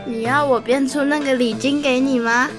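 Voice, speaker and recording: A woman's voice: high-pitched, steady tone, moderate pace, natural voice. A woman voicing a skeptical lamp genie who sets firm terms in a children's storybook. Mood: surprised. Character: lamp genie, skeptical, stern taskmaster to its master. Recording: music behind the voice.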